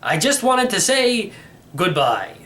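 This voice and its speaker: A man's voice: high-pitched, sing-song, slow, pushed and bright, voice pushed up, heavily acted. Man playing an eccentric, matter-of-fact very old uncle.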